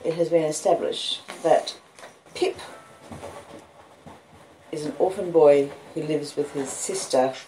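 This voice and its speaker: An Australian woman hosts a casual livestream in a low-pitched voice. She takes her time, rambling and pausing as she goes. The home recording in a front room carries some faint background noise. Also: dark tone. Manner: unhurried, rambling, with halting pauses. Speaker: host of a live-streamed book reading. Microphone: phone and an old laptop. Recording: noisy home phone recording. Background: street noise, house creaks, puppy, lo-fi beats.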